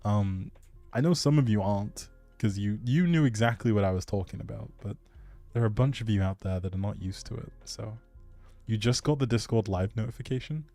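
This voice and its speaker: A man's voice: lowish voice, a little fast, warm tone. A man hosting a casual gaming livestream, chatting with viewers in a rambling, hesitant way and often trailing off. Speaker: livestream gamer host. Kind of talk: casual chatty livestream commentary, replying to chat. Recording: music playing behind the voice. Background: background music.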